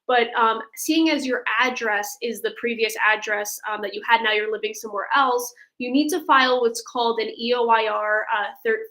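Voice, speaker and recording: A woman's voice: a little high, fairly bright tone, poor audio. A woman speaking as an immigration attorney, explaining legal steps conversationally, point by point, in a question-and-answer session. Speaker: immigration attorney, guest expert.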